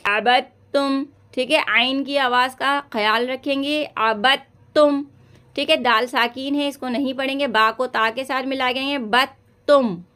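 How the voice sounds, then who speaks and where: A woman's voice: high voice, steady tone, normal speed, sharp tone. A young woman teaching Quran recitation online, with an Urdu-speaking South Asian accent. She explains patiently, often checking in with "theek hai" and stretching out sounds to show them.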